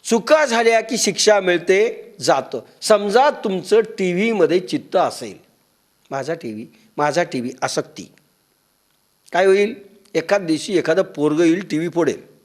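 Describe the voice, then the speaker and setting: A man's voice: animated, measured pace. A man with a Marathi accent giving a devotional discourse, telling stories and acting out their dialogue. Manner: storytelling, acts out dialogue in low muttering voices. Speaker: spiritual discourse speaker.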